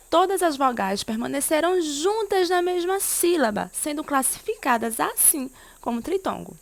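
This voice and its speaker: A primary school teacher gives a remote lesson to young pupils, walking them through things step by step and frequently asking them questions. Her voice is fairly high and creaky with a fairly bright tone, and there's no echo.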